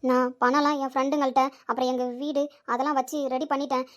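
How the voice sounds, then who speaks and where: Woman as a young woman pleading for help, high and fast, audio drama. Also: little pitch movement, close to an everyday voice. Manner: pleading, urgent. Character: desperate young woman needing money for her father.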